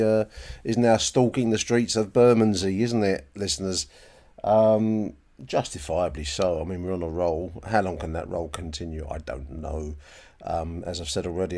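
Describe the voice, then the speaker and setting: A man's voice: low voice, warm tone. A man hosting a podcast, chatting informally and wryly to his listeners. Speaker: podcast host. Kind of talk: casual podcast chat to listeners.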